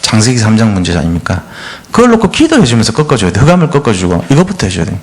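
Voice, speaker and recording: A man's voice: lowish voice, wildly swooping pitch, rapid-fire. A man preaching a midweek sermon as a pastor, acting out the voices of the parents and children he quotes. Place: church sanctuary.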